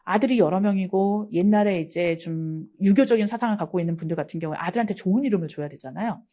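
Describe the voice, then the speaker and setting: A woman's voice: mid-range voice, mellow. Woman, middle-aged, from Gangwon, exam-prep lecturer, chatty, anecdotal. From Gangwon Province, South Korea. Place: lecture studio.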